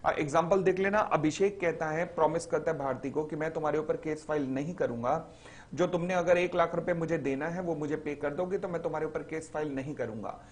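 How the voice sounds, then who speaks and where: Lively male law teacher. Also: fairly high pitch. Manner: lively, acts out little stories in the examples; reads definitions slowly, word by word. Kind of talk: recorded lecture for exam revision.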